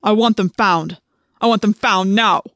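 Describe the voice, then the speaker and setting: A menacing alien commander barks orders in a voice pushed louder and odder than a plain narrator's, as a woman reads him. He sounds cold and imperious. The recording is dry and close. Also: fairly low pitch, fairly even intonation, moderate pace, dry recording, lightly acted.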